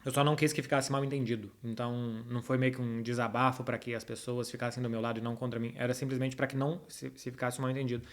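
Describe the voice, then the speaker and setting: A man's voice: medium pitch, little pitch movement, quick pace, few pauses. Casual Brazilian man chatting to his followers. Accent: Brazilian Portuguese. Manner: informal, colloquial, addresses the audience directly. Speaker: host answering viewers' football questions. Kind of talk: casual chat to followers, football analysis.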